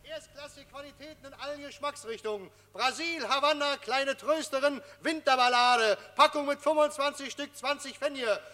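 A man's voice: extremely high pitch, normal speed, few pauses, pushed and bright, big-room sound. An actor playing an advertising crier in a radio play, declaiming sales slogans like a salesman. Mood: hawking. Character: shrill advertising crier hawking wares.

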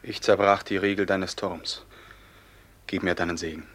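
A torn, remorseful young robber captain. He declaims with intensity. His voice is very deep. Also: flat delivery, moderate pace, a bit bright. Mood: tender. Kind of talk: classic radio play acting.

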